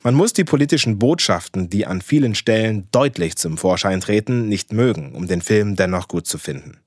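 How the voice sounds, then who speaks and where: A man co-hosting a photography news podcast, reading a scripted film review with measured, dry irony. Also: fairly low pitch, animated, a little mellow, no echo.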